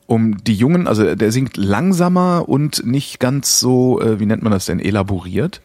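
A man in casual chat, telling a story with lively energy and often searching for words. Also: lowish voice, normal speed, no echo.

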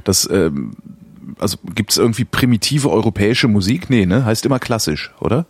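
Animated man telling a science story. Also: fairly low pitch, normal speed, breathy edge, no echo. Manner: lively storytelling, searches for words. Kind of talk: casual chat.

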